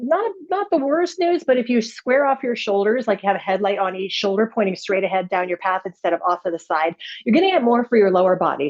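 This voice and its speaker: A woman's voice: mid-range voice, muffled recording. A woman hosting a fitness show as a personal trainer, chatty and laughing often while demonstrating moves, a little winded. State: slightly winded from exercising. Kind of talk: casual show chat with exercise demo.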